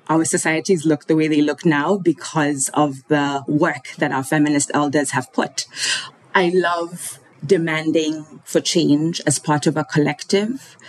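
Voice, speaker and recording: A woman's voice: low-pitched, rough recording. A woman, a podcast guest, speaking in a passionate, emphatic way. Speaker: guest quoted in a clip.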